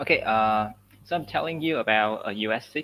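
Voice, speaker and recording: Speaking with a Vietnamese accent, a man talks at a moderate pace and medium pitch with ordinary pitch variation. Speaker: English student. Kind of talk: exam practice. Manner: halting.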